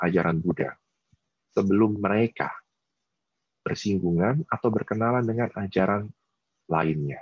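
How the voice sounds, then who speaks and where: With a very deep, low voice, a man talks at a moderate pace. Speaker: Buddhist teacher giving a dharma talk. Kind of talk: sermon; Q&A answers.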